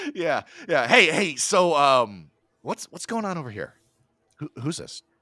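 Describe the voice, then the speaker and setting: A man with vocal fry and a bright, sharp tone speaks at a fairly slow pace with long, frequent pauses and big swings in loudness, in a dry, close sound with no echo. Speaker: podcast host. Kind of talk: casual chat.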